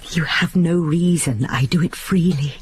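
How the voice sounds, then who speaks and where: A woman's voice: deep voice, unhurried, slight background noise. An actress playing a witty, fierce young noblewoman who delivers tart, clipped retorts in Shakespearean dialogue. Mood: sardonic. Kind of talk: Shakespearean verse acting.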